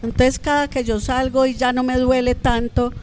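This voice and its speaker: A woman, a podcast guest, telling her own story in an animated, conversational way. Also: high-pitched, moderate pace, slight background noise. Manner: animated, acts out quoted voices.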